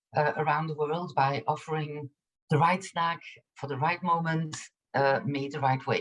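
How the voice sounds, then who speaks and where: Monotone, flat intonation at a moderate pace, with a slight Belgian accent. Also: woman. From Belgium. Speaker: sustainability executive. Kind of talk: panel discussion.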